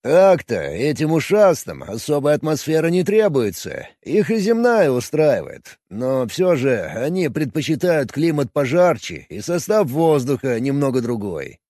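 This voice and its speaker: A man voicing a big, bluff, good-natured Russian engineer who talks loud and teases, in a husky voice. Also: medium pitch, big pitch swings, unhurried, hardly any pauses, no room sound, studio quality. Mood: teasing. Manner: loud jovial teasing.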